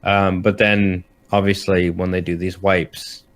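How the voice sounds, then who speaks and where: A man with a fairly low voice talks casually about games. He hosts in an explanatory, halting way, often reworking his sentences as he goes. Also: level tone.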